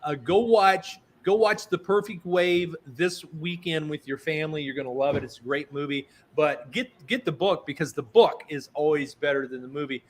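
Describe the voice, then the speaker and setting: A man's voice: a little high, moderate pace, few pauses. A man in his fifties hosting a talk show, chatty and enthusiastic, rambling between stories. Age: 50s. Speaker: host. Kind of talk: casual interview chat.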